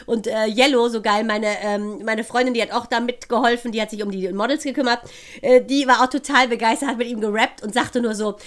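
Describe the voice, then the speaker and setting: Woman, middle-aged, hoarse voice, slightly high, enthusiastic, gushing storyteller, casual podcast chat. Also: steady tone, fairly quick. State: hoarse from a night of dancing. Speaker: podcast co-host.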